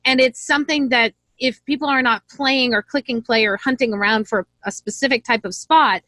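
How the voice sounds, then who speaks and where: Upbeat woman host with a higher voice. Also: a little fast, bright, forceful tone, no room sound. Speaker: host and voice talent. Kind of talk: conversational interview.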